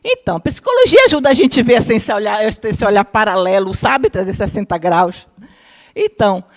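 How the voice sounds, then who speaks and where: With a mid-range voice and a slightly quick pace, the fifty-ish psychologist teaching a spiritist course tells a live audience in a lecture room about her family. She keeps the mood lively, checks in with listeners repeatedly, and acts out quoted family members.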